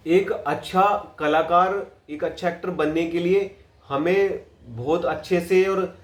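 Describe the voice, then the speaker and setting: A man giving an acting lesson, talking deliberately and demonstrating a line with different pauses and stress. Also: on the high side, echoey room. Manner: slow, deliberate, repeats lines with varied pauses and stress. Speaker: acting teacher.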